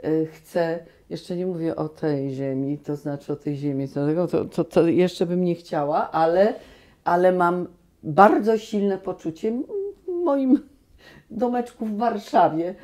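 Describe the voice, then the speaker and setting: A woman in her sixties, a guest actress, recalling her life in a relaxed, animated way full of restarts, in a small cozy room on a lapel mic. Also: on the low side, slow. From Poland. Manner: animated storytelling with many restarts. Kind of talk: relaxed reminiscing conversation.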